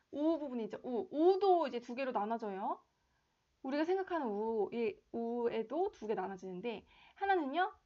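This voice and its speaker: A woman's voice: high voice, highs cut off. A woman teaching English vowel pronunciation in a casual online lesson, repeating each vowel sound to demonstrate it.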